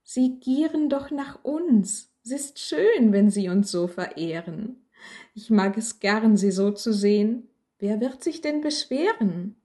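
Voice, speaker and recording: A woman voicing a small, humble candle that is proud and dreamy and speaks in high, plaintive, indignant rhymes. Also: lively intonation, slow, mellow. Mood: naive.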